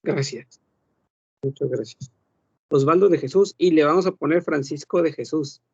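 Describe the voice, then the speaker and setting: Gravelly man teaching a language class. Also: a little high, moderate pace, no echo, highs cut off. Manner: explanatory, rhetorical questions, self-correcting. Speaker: French teacher.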